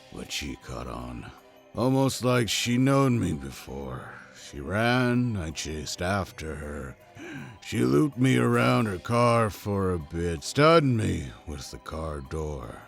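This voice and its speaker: Putting on a character voice, a man speaks very deep and low at a fairly slow pace, his pitch swinging very widely. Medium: audio drama. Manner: rambling, hesitant with filler words.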